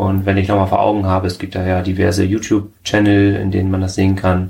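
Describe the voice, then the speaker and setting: The speech comes at a fairly quick pace in a flat monotone, with noticeable background noise. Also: man. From East Frisia, northern Germany. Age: 30s. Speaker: engineer and sailor. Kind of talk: casual interview.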